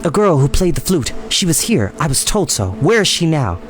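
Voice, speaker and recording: A man's voice: on the high side, big pitch swings, normal speed, over music. A man playing an intense young prince, urgent and demanding, in a storybook tale.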